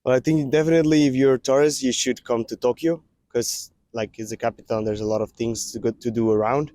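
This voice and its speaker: A man's voice: medium pitch, steady tone, fast talker, mellow, dry recording. Hesitant man, dry sound. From Colombia. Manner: hesitant, many fillers. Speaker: interviewee. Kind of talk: casual street interview.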